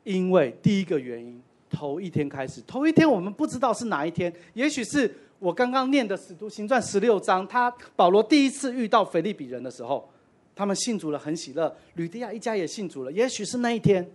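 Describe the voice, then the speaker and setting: A man's voice: high voice, big pitch swings, a little fast, darkish tone. A man preaching a sermon as pastor, conversational with self-deprecating asides.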